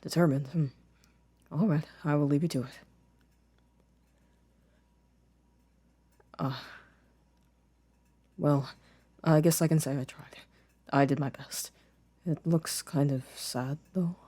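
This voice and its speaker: A young man playing a gentle, shy, affectionate boyfriend in an ASMR roleplay, speaking softly and hesitantly with careful phrasing. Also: on the high side, steady tone, a little slow, long pauses, no echo. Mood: calm, modest.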